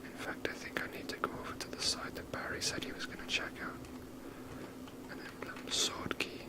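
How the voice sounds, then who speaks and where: Whispering ASMR gamer, soft and breathy. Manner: rambling, unhurried explaining. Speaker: video game player commentating. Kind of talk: whispered ASMR gaming commentary.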